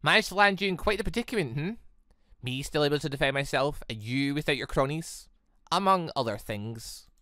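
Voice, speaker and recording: A woman's voice: deep voice, animated, a little fast, bright, forceful tone, no echo, clean studio sound. A woman voicing a wounded, self-reproaching but defiant young maiden in a visual novel, brooding and dramatic.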